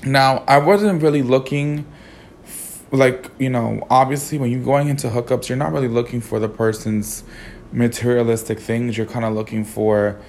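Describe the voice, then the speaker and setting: A hoarse young man with a sassy, campy manner, telling a personal story as a podcast host while sitting in a car. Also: mid-range voice, fairly even intonation, normal speed, a little mellow, a little hiss or hum. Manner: sassy, campy, swears a lot. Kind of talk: casual storytelling monologue.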